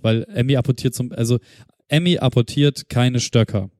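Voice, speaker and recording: Man, casual rambling talker, swears freely, warm dark voice, dry close mic. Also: medium pitch, moderate pace, no room sound. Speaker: podcast co-host. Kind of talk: casual chat.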